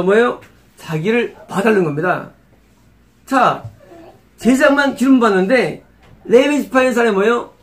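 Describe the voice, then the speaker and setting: A middle-aged man with a high voice gives an expository sermon as pastor. He walks the congregation through the text, peppering it with rhetorical questions and repeating key phrases. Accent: Korean-accented English words.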